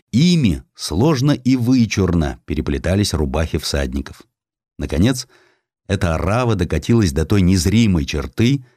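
A man narrating historical prose as an audiobook, with measured, dramatic storytelling. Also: sits low, darkish tone, no echo, studio quality.

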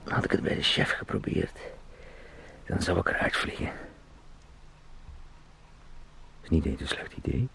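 Deep, gravelly, anxious salesman. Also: animated, bright, forceful tone, slight background noise, full character voice. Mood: resentful muttering. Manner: muttering to himself, repetitive, halting. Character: anxious travelling salesman talking himself out of bed. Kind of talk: radio drama monologue.

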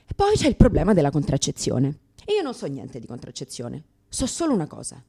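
A woman's voice: low-pitched, huge pitch swings, fairly quick, dark tone, breathy edge, heavily acted. A woman performing a theatrical comic monologue as a brash, neurotic lesbian comedian, sardonic, exclamatory, crude and self-mocking. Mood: wry complaining.

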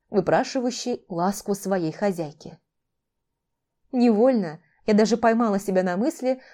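A woman narrating a fantasy audiobook in a measured, dramatic reading. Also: on the high side, dark tone.

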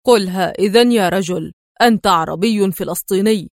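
A woman voicing a stern, sharp-witted Arab agent man who talks in a curt, firm way. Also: high voice, moderate pace, no room sound, studio quality.

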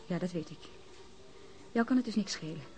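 A woman's voice: fairly low pitch, expressive, brisk, close to an everyday voice. An actress in her twenties playing a hurt, reproachful young woman who pleads with an older lover in a radio drama. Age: 20s. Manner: emotional, reproachful. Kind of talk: Dutch radio drama acting. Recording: radio play with soft music underneath.

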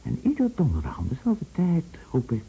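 An actor playing a chatty, teasing, fretful bedridden husband in a radio play, stammering and musing with theatrical emphasis. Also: male voice, mid-range voice, wildly swooping pitch, brisk, gravelly, warm tone, breathy edge, full character voice. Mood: wry, teasing. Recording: muffled old radio play recording, slight noise.

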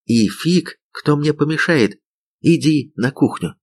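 A brash army commander woman who teases and orders people about, in a raised, lively voice that a male narrator puts on. Her delivery is bossy and mocking, clearly a storybook figure. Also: a little high, slow, pitched above the performer's own voice. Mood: teasing bossy. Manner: teasing, bossy.

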